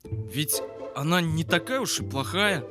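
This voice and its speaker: A man's voice: a little high, animated, unhurried. A man playing an easygoing, brave boy adventurer in a children's cartoon. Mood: calming, persuasive. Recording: music behind the voice.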